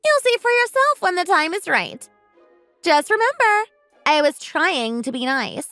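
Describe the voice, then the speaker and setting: A woman's voice: very high voice, very animated, a little slow, pushed and bright, dry recording, faint music behind, pitched above the performer's own voice, exaggerated voice. A woman putting on a smug, vain rival. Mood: threatening. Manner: taunting, self-admiring, sing-song. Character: vain, scheming young woman, smug and mocking.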